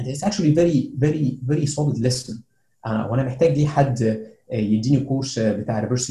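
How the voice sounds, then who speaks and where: A man's somewhat breathy, dark, mellow voice at medium pitch, with ordinary pitch variation and a fairly quick pace. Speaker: security researcher. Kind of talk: interview.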